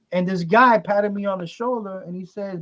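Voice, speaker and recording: A man with a Brooklyn accent. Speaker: medicine man and spiritual healer. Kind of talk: interview. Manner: halting.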